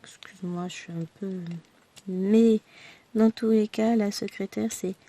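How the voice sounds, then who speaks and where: Woman, vlogger, hoarse, husky, mellow, tired, rambling, self-deprecating chat. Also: mid-range voice, steady tone, unhurried. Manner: speaks tired and worn out. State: hoarse from a throat infection. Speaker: crafting vlogger. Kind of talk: chatty personal update to viewers.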